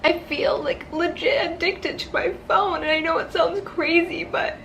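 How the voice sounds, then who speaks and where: Congested from a cold, a young vlogger speaks in a very high, fairly bright voice with fairly even intonation and a measured pace. Her confessional talk is rambling and heartfelt, packed with "like." There's a slight hiss or hum.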